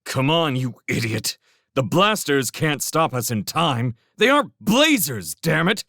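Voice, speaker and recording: A man's voice: low-pitched, big pitch swings, a little slow, bright, forceful tone, no echo, clean studio sound, exaggerated voice. A man voicing an irritable scout leader who snaps out commands urgently, in a dramatic audiobook style. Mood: urgent, snappish. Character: gruff, irritable male scout leader barking orders. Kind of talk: dramatic audiobook character acting.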